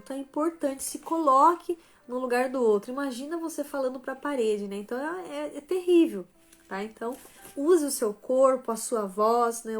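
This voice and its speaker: A woman giving a motivational Christian talk on a live stream, tagging phrases with "né?" and "tá?" and shifting between softer and stronger emphasis. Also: high voice. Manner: tags most phrases with "né?" and "tá?"; greets viewers by name mid-talk. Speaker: live stream host and author.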